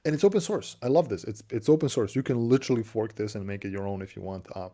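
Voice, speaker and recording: A low-voiced man with a Serbian accent co-hosts a tech stream in loose, chatty English. His tone is mellow and warm, and he stumbles and repeats words while searching for phrasing, laughing often between thoughts. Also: fast talker. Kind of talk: casual tech chat.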